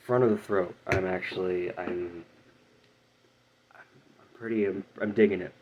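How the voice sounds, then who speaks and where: A man talking casually in a practice diary, explaining things in a halting, rambling way. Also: low-pitched, fairly even intonation, dull audio. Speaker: student vlogger learning harsh vocal technique.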